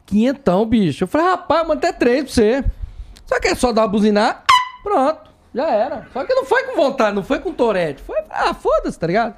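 A man telling stories as a guest on a casual podcast, joking and animated, laughing often. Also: very high voice, fairly quick.

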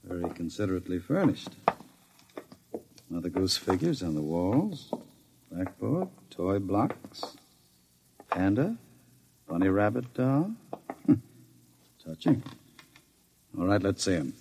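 An actor playing a suave, menacing gangster in an old radio drama, smooth and sardonic, making unhurried threats. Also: male voice, sits low, very animated, heavily acted. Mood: scornful. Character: suave menacing male gangster, calm and mocking. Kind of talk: 1950s radio drama acting. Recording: noisy old radio broadcast.

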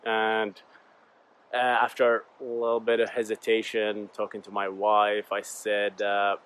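A man's voice: on the low side, completely flat delivery, a little slow, a bit bright, smooth. A man in his thirties from Bahrain, a native Arabic speaker with an Arabic accent, talking casually and in a rambling, informal way as a solo podcast host. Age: 30s. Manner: informal, rambling, addresses listeners as "guys". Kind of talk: casual solo talk, personal storytelling.

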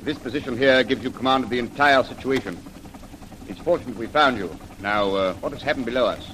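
A bright, forceful army colonel, voiced by an actor, speaks in clipped, authoritative tones in an old radio serial. The recording carries a faint vintage hiss. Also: male voice, mid-range voice, fairly quick, close to an everyday voice, low-quality recording. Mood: measured. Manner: clipped, authoritative, barks orders. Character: commanding army colonel leading tank squadron. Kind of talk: 1930s radio drama acting.

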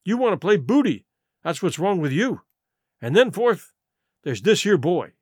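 A man's voice: high voice, sing-song, a little slow, breathy edge, no room sound, studio quality, pitched above the performer's own voice, heavily acted. A man voicing a tall, surly pirate mutineer in an audiobook, blunt and accusing in rustic nautical dialect. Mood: accusing, defiant. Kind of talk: audiobook character acting.

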